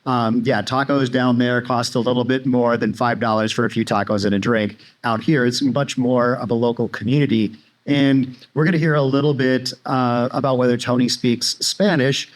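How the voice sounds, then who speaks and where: A man narrates as the host of an interview video. He talks casually to the viewer, leading from one topic to the next with loose fillers. His voice sits in a middle pitch. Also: little pitch movement, normal speed. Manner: conversational, guides the viewer, filler-heavy. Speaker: host of a channel about retiring in Mexico.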